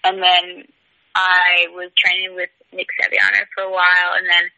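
A woman's voice: fairly low pitch, monotone, moderate pace, vocal fry, sharp tone, dull audio. A young Australian woman in her late teens, answering interview questions in a hesitant way, with many fillers and restarts. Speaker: guest, tennis player.

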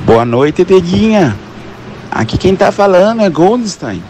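A man's voice: high voice, big pitch swings, unhurried, darkish tone, a little hiss or hum, voice pushed up. A man putting on a mocking voice as a fake caller in a voice message.

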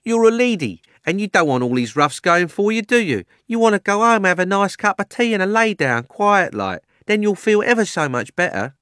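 A man's voice: high voice, big pitch swings, normal speed, fairly bright tone, no echo, clean studio sound, pitched above the performer's own voice. A man voicing a blunt but kindly London cabby with a Cockney accent, in a storybook reading. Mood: soothing, coaxing. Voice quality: working-class speech with added aitches. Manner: urgent, coaxing, plain-spoken.

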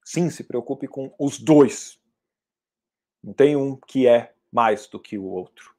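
Male oratory trainer, casual Q&A teaching, emphatic with loud bursts. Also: medium pitch, slow pace. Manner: lively and emphatic, with sudden loud outbursts. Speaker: public speaking and NLP trainer. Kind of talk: casual teaching, answering audience questions.

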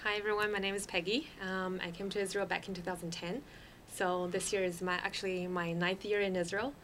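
A woman from northeastern China introducing herself on a panel, measured and matter-of-fact. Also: mid-range voice, level tone, fairly bright tone, a little hiss or hum. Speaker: panel guest.

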